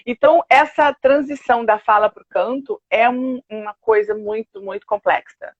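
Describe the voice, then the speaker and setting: An older woman with a Brazilian Portuguese accent, a singer telling stories with lively quoted asides in a casual interview. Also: on the high side, moderate pace, no echo. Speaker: guest, opera and musical theatre singer. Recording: dull, dry video-call audio.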